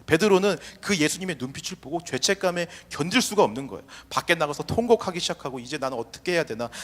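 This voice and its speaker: A man's voice: fairly high pitch, a bit bright. A young man preaching a sermon as pastor, acting out imagined quotes in changing voices. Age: young adult. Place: church sanctuary. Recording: long hall reverb.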